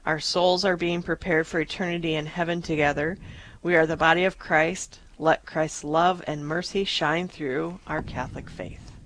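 A woman's voice: sits low, fairly even intonation, moderate pace, fairly bright tone, a little hiss or hum, low-quality recording. A woman hosting a radio pledge drive, upbeat as she thanks donors and reads out the phone number. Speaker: radio host. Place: radio studio.

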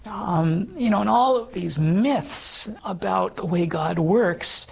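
A man around fifty with a hoarse, damaged voice, earnestly telling his life story as an interview guest, halting and full of restarts. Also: high-pitched. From Canada. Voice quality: hoarse, gravelly voice. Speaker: guest sharing his testimony. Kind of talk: personal testimony in conversation.

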